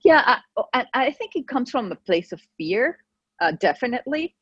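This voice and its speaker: A middle-aged woman whose first language is Spanish, a pharmacist guest telling stories in an animated way with many restarts, on a remote call. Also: a little high, normal speed, husky, dry recording. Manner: animated storytelling with frequent restarts. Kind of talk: casual conversational interview. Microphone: remote call microphone. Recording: dull lo-fi call audio.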